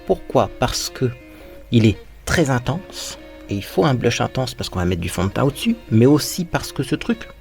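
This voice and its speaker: A man's voice: mid-range voice, sing-song, moderate pace, gravelly, darkish tone, soft background music. A man hosting a casual makeup tutorial, chatting playfully to viewers while he applies his makeup and dropping in little sound words.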